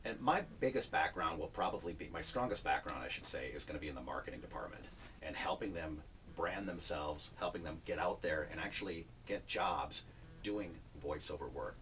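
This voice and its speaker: A man's voice: rumbling low, animated, fairly quick, a bit bright, slight background noise. A man who coaches voiceover talent, chatting casually and joking in an interview. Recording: distant mic with faint ambience.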